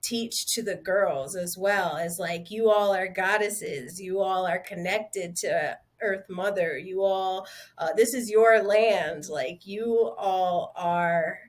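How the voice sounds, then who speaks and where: A woman speaking as a guest on a podcast interview, animated and loose, with plenty of "like" fillers and quick restarts. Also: mid-range voice. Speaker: interview guest, outdoor group founder. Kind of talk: casual podcast conversation.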